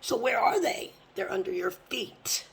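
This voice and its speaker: A fervent religious teacher preaching from scripture, blunt and sometimes swearing, often dropping into a hushed whisper. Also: mid-range voice, big pitch swings, a little slow, vocal fry, slight background noise.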